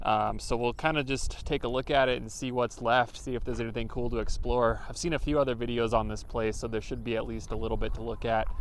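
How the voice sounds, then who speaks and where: This man talks at a very fast pace. The sound is dry with no echo, with light background noise. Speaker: explorer vlogger. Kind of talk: casual vlog chat. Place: open country. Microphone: phone near.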